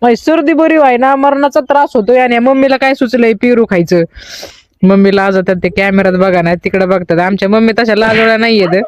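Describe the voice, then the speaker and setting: A woman's voice: fairly quick, no room sound. Chatty village woman with a stuffy nose. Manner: chatty, coos at the baby in a high voice. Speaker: family vlogger. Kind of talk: casual vlog narration. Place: outdoors on a family farm.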